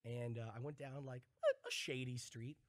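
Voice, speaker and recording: A man in casual podcast chat, telling an animated story and acting out the voices of the people in it. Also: medium pitch, normal speed, no echo.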